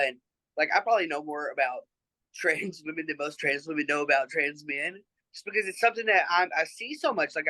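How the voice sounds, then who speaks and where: Earnest, bright-voiced trans man. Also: a little high, no room sound, rough recording. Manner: earnest, reflective, with frequent fillers. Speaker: interview guest. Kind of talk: casual conversational interview.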